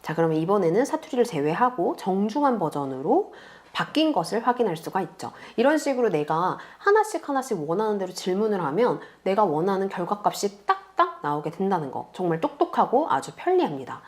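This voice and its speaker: Patient woman tutor, lively pitch. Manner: patient, explains slowly to beginners. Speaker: online tutor. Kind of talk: step-by-step screen tutorial.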